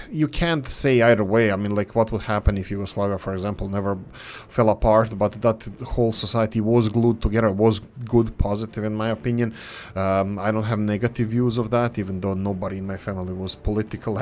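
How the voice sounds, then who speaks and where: A young adult man from Croatia with a Croatian accent, rambling with many fillers and restarts as he talks over a game he is playing. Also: on the low side. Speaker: gaming channel host. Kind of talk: casual commentary over a game.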